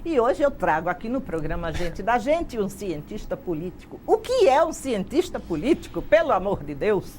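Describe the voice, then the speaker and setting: A woman's voice: mid-range voice, very animated, moderate pace, few pauses, darkish tone, slight background noise. A woman from Brazil hosting a TV interview show, effusive and speaking straight to the viewers. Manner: effusive, addresses viewers directly. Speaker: TV talk show host.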